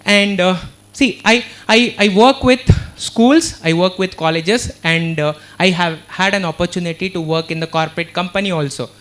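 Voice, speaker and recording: A man's voice: high voice, moderate pace, a bit bright. A man with an Indian English accent, giving a motivational talk to students and keeping the room with him through constant questions back to the audience. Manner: earnest, keeps checking in with the audience. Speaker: motivational speaker. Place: university auditorium.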